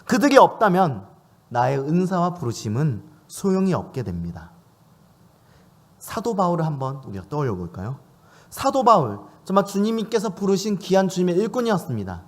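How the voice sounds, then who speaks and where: A man's voice: high-pitched, very animated, moderate pace. A man preaching a sermon in church, asking questions of his listeners as he speaks. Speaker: pastor.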